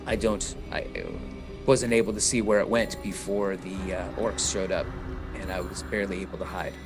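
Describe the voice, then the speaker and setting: A man's voice: deep voice, flat delivery, normal speed, over music. A man playing a tabletop game, talking hesitantly with lots of fillers as he describes his character. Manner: hesitant, many fillers and restarts. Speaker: player. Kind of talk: tabletop role-play chat.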